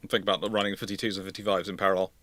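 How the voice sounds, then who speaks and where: Bright, forceful low-voiced man explaining warships. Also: flat delivery, racing, dry recording. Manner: hesitant self-correcting, emphatic repetition. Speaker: host. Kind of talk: unscripted expert commentary on naval ships.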